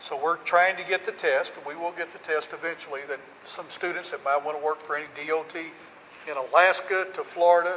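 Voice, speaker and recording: Fairly quick speech from a man with a high pitch. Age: 60s. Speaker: community college center director. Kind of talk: facility tour interview. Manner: enthusiastic; hesitant fillers.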